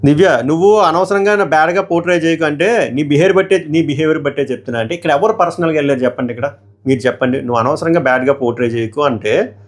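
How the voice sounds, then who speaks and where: A hoarse young man giving a heated, argumentative review of a reality show episode and putting questions to his viewers. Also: on the high side.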